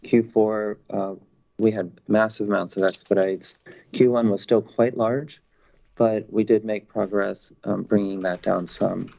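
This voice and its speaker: A man's voice: fairly low pitch, steady tone, unhurried, creaky, warm tone. A man speaking as a company executive on an earnings call, answering analysts in an explanatory corporate way over dull conference audio. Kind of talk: business briefing, answering analyst questions.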